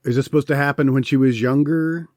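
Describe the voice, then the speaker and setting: A man's voice: mid-range voice, fairly even intonation, quick pace, darkish tone, dry recording, clean studio sound. A man co-hosting a podcast, chatting casually about a film with wry remarks and frequent laughter. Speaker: podcast co-host. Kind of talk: casual film-review chat.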